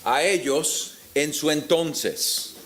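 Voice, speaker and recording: A man with a Puerto Rican Spanish accent teaching the Bible to an audience in a deliberate, explanatory way with rhetorical questions. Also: on the high side, a bit bright, a little hiss or hum. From Puerto Rico. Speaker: preacher teaching at a conference.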